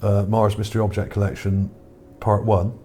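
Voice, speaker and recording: A man narrates his video at a normal speed, his low-ish, slightly mellow voice staying level as he muses over images he found. He sounds hesitant and speaks without a script. Background noise is present.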